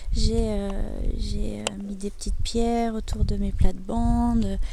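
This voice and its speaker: Noticeable background noise surrounds a woman who speaks softly and fairly slowly. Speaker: YouTuber, permaculture gardener. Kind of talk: casual vlog talk to camera. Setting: outdoors in a garden. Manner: soft-spoken; hesitant, many fillers.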